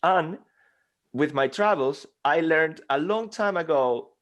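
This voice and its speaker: An animated man speaking English with a Venezuelan Spanish accent, his first language being Spanish. He talks as a guest coach in an interview at a desk microphone, passionate and lively, slipping into quick acted exchanges to make a point. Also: on the high side. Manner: animated, passionate, acts out dialogues. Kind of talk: energetic interview conversation.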